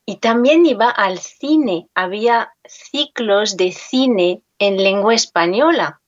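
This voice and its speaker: Slow-spoken woman, Spanish speaker. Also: mid-range voice, no echo, lo-fi sound. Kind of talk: conversational interview about personal experience.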